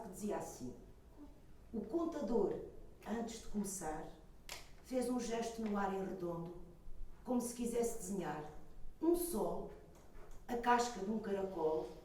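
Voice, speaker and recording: A woman's voice: mid-range voice, measured pace, long pauses, dark tone. Woman reciting in a very echoey hall. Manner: reciting with a narrating cadence. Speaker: storyteller speaking to an audience. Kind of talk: public address, reciting. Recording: very echoey hall, distant mic, faint noise.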